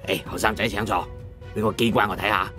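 An actor playing a proud, emotional old master locksmith in an emphatic Cantonese audiobook drama. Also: male voice, fairly low pitch, steady tone, quick pace, over music, close to an everyday voice. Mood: businesslike. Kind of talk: dramatized audiobook character acting.

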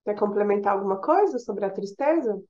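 A woman's voice: medium pitch, animated, brisk, darkish tone. A woman with a Brazilian Portuguese accent, moderating a discussion circle and summarizing the answers in a conversational way. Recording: dull lo-fi audio.

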